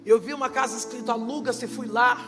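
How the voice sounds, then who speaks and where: A woman pastor preaching a sermon with passion, often swelling into shouts. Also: a little high, steady tone, brisk, over music.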